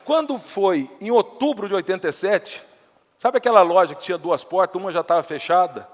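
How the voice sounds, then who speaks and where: A middle-aged Brazilian man from the Minas Gerais countryside speaks on stage, his voice pitched high and ringing out through a large hall with a long reverb. He tells his story to the crowd in a chatty, anecdotal way, acting out the dialogue he quotes. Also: normal speed. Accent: Brazilian Portuguese, countryside Minas Gerais. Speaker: entrepreneur giving a talk. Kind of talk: motivational storytelling talk to a live audience.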